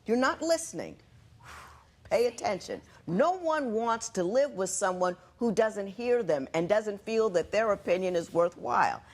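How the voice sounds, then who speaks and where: A woman's voice: medium pitch, animated, measured pace, darkish tone. A woman speaking as a television court judge, questioning and lecturing in a firm, emphatic, instructive way.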